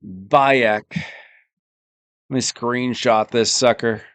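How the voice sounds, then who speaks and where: Slow-talking man streaming a game. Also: mid-range voice, clean tone, no room sound. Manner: relaxed, thinking aloud while playing. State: losing his voice. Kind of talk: casual live-stream commentary.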